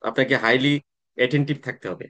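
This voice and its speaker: A man, teaching an online class in a relaxed, conversational way, often pausing to check that students follow. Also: mid-range voice. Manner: conversational teaching with frequent "তাই না?" check-ins and hesitations. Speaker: tax exam coaching instructor.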